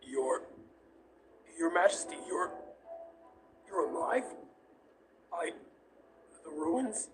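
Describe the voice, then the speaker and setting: A man's voice: sits high, big pitch swings, very slow, long pauses, slight background noise, heavily acted. A man voicing a grave, proud, obsessive scientist in a dramatic comic dub, speaking formally and intensely. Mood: stunned. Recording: music playing under the dub.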